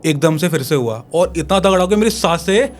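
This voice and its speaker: A young man, a podcast guest, telling a long personal story in casual, animated speech, with crude slang and acted-out moments of fear. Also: on the high side, fairly quick.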